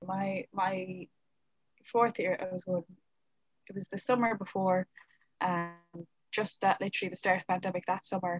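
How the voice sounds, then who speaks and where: A woman with a Cork accent, somewhat breathy, at a moderate pace with long, frequent pauses and fairly even intonation, in a dry sound with no echo and a quiet background. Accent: Cork Irish. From Ireland, Cork; Ireland. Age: 20s. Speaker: artist; interviewee. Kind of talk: interview. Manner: halting. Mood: relaxed, smiling, chatty. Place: home room. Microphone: video call.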